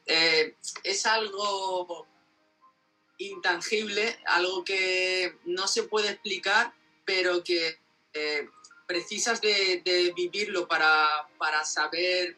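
A man in his twenties from Spain with a Spanish accent, a native Spanish speaker giving casual, halting interview answers as he searches for words. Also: high voice, fairly even intonation, pushed and bright. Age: 20s. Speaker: interview guest, football fan. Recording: distant mic with faint music behind.

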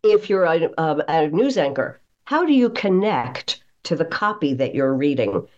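A woman with a deep, slightly mellow voice, very animated yet unhurried, speaks as a voice coach guest in an interview. She instructs as she explains, hitting key phrases with emphasis, and the sound is somewhat dull and muffled.

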